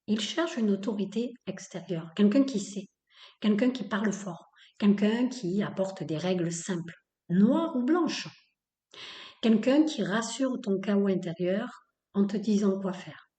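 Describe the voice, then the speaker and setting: A woman's voice: medium pitch, animated, a little slow, warm tone, roomy sound. A woman hosting a spoken podcast episode, talking in a blunt, opinionated way, with many fillers and repeated phrases. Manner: emphatic, repetitive, with many fillers. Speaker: podcast host.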